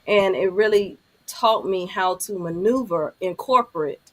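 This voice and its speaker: A woman in her fifties with a deep voice, speaking earnestly as a panelist on a video call. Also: unhurried, a bit bright. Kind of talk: candid panel talk.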